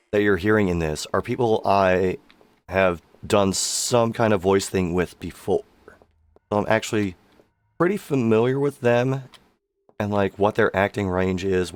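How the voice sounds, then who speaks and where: A man's voice: lowish voice, normal speed, dry recording. A man giving casual live-stream game commentary, his voice worn from sickness and hours of streaming. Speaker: streamer, amateur voice actor.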